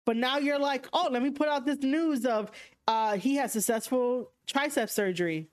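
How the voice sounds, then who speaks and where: A woman's voice: high voice, normal speed. Chatty woman with a New York accent. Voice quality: frank, rambling, many fillers and restarts. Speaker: livestream podcast host. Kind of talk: casual livestream chat reading viewer comments.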